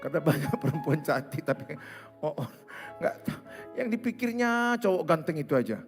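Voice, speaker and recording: Lively high-voiced preacher. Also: male voice, moderate pace, music in the background. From Indonesia. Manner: animated, teasing, acts out little scenes. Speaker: pastor. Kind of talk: sermon. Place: church service.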